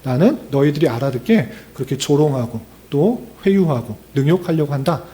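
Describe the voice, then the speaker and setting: A man's voice: fairly high pitch, expressive, a little fast, dark tone, close to an everyday voice. A male preacher voicing a mocking, boastful enemy commander in a scornful, taunting tone.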